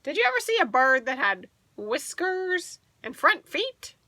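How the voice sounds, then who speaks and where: A woman's voice: high voice, very animated, a little slow, pushed and bright, no echo, exaggerated voice. A woman voicing a bewildered crane operator who cannot believe what he saw. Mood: puzzled. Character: puzzled grown man, a crane operator.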